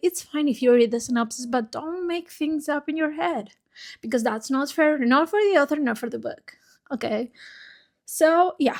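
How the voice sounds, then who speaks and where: Speaking at a moderate pace with a non-native accent, a woman uses a high pitch and lively intonation. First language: not English. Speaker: book vlogger. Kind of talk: casual book review vlog. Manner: animated; casual, with frequent fillers.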